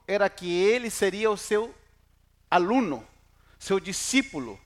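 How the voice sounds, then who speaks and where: A middle-aged man preaching in Portuguese, a pastor who jokes with the congregation and asks them questions. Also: sits high. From Chile. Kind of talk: sermon.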